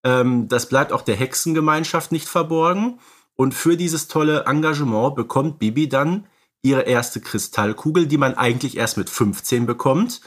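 A man's voice: medium pitch, moderate pace, fairly bright tone. A man co-hosts a podcast, casually explaining and discussing films in a conversational way. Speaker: podcast co-host.

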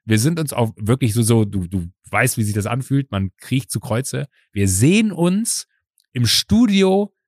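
A man's voice: mid-range voice, a little slow, no room sound, clean studio sound. A man in his forties hosting a podcast, telling a story casually and animatedly, acting out what people said, with frequent fillers. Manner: animated, acts out quoted dialogue, frequent fillers. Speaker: podcast host.

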